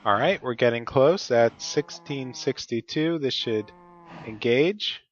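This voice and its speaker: A man's voice: mid-range voice, slow pace, highs cut off. Stuffy-voiced man narrating his gameplay. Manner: methodical, talks through each step. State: stuffy from a cold. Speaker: Let's Play host. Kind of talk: casual gameplay commentary.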